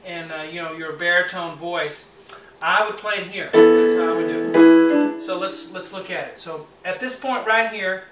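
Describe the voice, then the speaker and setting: A man with a high voice teaching a piano part step by step, patiently counting the beats and humming the notes. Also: moderate pace, distant mic. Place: room with a piano. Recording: roomy, from off the mic, loud piano.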